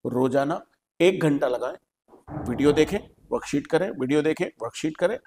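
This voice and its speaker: A man with an Indian accent teaches and hosts, talking a listener through questions with patient, repeated emphasis. His voice sits somewhat high, and a long reverb hangs behind it. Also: normal speed, noisy background. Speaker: English teacher and host. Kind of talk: explaining in a podcast interview.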